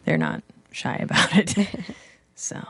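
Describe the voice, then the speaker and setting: A woman's voice: slow, fairly bright tone, no room sound. A young woman co-hosting a podcast, chatting casually with lots of fillers and self-deprecating asides. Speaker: podcast co-host. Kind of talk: casual chat about comics.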